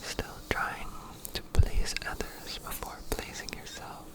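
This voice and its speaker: A man whispers a gentle, earnest ASMR pep talk at a slow pace. As a creator speaking to viewers, he offers encouraging affirmations.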